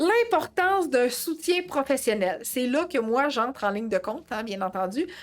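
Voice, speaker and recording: A woman with a Quebec accent speaks at a moderate pace, in a high pitch with very wide pitch swings and hardly any pauses. The recording is very clean, with a silent background. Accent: Québécois French. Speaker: dog trainer. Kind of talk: live stream talk. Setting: Facebook live. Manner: many filler hesitations.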